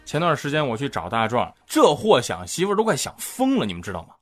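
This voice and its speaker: A man hosting a comedy talk show, telling stories in a lively scripted monologue. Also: medium pitch, fast talker, soft background music. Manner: lively storytelling. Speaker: host.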